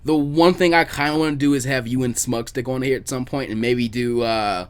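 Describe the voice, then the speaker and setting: Man, podcast host, casual chat, informal phrasing, emphatic repetition, mid-pitched voice. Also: steady tone, brisk, smooth.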